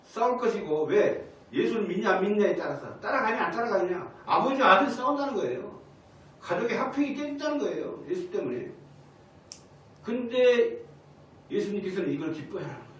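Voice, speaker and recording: A male pastor with a high voice preaches a sermon in a brisk, animated way, asking the congregation questions. He is recorded from a distance in an echoey church sanctuary.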